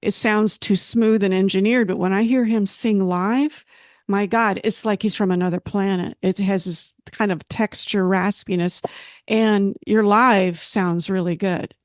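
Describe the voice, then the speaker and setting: A woman's voice: mid-range voice, steady tone, unhurried, no room sound, clean studio sound. A woman interviewing a musician for a music magazine, chatty and enthusiastic, with easy laughter. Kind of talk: casual interview.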